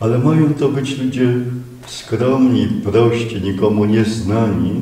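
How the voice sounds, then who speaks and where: Noticeable background noise and audible room echo surround a man speaking at medium pitch with ordinary pitch variation. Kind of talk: sermon. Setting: chapel. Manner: soft-spoken.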